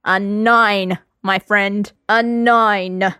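A woman voicing a rowdy, drunk young male witcher who taunts his friends loudly and crudely. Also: medium pitch, fairly even intonation, drawn-out words, clean tone, no echo, studio quality. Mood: drunk jeering. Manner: loud, slurred, crude taunting.

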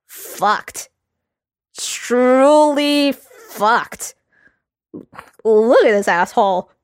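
A woman voicing a rowdy, drunk young male witcher who taunts his friends loudly and crudely. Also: a little high, expressive, drawn-out words, smooth, no room sound, studio quality, pitched above the performer's own voice. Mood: drunk jeering. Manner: loud, slurred, crude taunting.

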